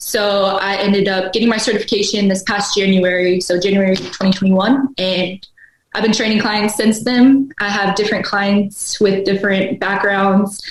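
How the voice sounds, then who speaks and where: A woman with an American accent, medium pitch, monotone, flat intonation, and a moderate pace. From Colorado, Fort Collins. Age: 20s. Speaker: personal trainer, former college volleyball player. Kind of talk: podcast interview. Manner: casual, filler-heavy.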